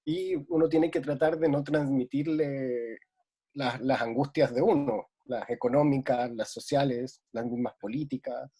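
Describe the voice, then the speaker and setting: A man's voice: mid-range voice, fairly even intonation, a little slow, mellow, breathy edge. A man from Ecuador speaking reflectively in a casual remote conversation, with many hesitations. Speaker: guest.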